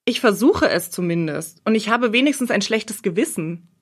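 A woman's voice: mid-range voice, lively intonation, normal speed, slightly rough. A woman voicing a defensive, indignant young woman. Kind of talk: audiobook role reading.

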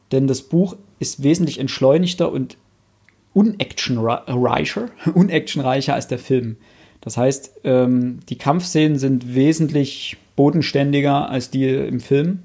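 A man's voice: medium pitch, dark tone, breathy edge. A man in casual podcast chat, thinking aloud with frequent restarts and enthusiastic recommendations, close on a studio mic.

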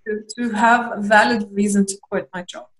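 A woman's voice: medium pitch, little pitch movement, moderate pace, poor audio. A young woman from Lithuania, a guest in a candid interview, talking reflectively with hesitant restarts and small laughs.

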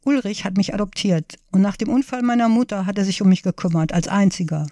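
A young woman confronting the father who left her, her voice quiet and firm, as a woman reads her lines. The sound is dry and close. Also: mid-range voice, quick pace, no echo, lightly acted.

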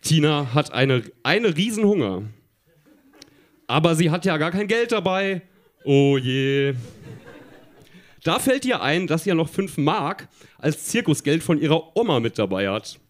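A man reads a children's story aloud with a lively, wandering melody, chuckling as he goes. His voice sits a little high for a man, and he sometimes trips over a word before setting it right. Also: moderate pace. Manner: chuckling, stumbling over words, addressing listeners.

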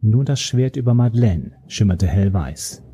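Man, audiobook narrator, first person, grave, steady, low, husky. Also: normal speed.

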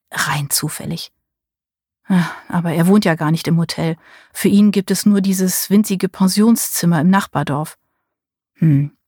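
Eine Frau liest eine eifersüchtige, verliebte junge Frau mit bissigem, sarkastischem Ton. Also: female voice, on the low side, a little mellow, breathy edge, no room sound, studio quality. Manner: biting, sarcastic. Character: jealous young woman in love, sharp-tongued.

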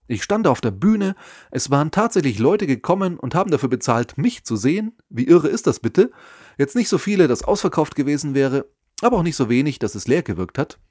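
A man giving scripted advice on public speaking, in a measured, explanatory way with lively emphasis. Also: fairly high pitch, no echo, studio quality. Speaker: podcast host and speaking coach.

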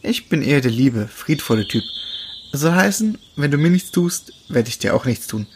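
A man voicing a friendly young male forest animal who guards his patch of woods, speaking calmly and reassuringly, with crickets and birds behind. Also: on the high side, moderate pace, slight background noise, lightly acted.

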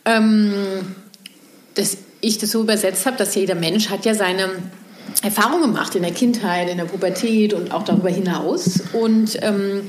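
A woman's voice: medium pitch, normal speed, reverberant, slight background noise. A woman co-hosting a podcast in casual chat, rambling, telling stories and laughing often. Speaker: podcast co-host.

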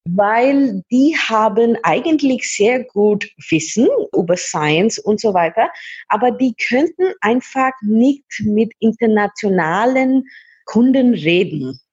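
A woman's voice: fairly high pitch, lively intonation, takes it slowly, a little mellow, slightly rough, lo-fi sound. A woman from India, Hindi native, telling her life story in an interview, often restarting and repeating words. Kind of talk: casual interview talk.

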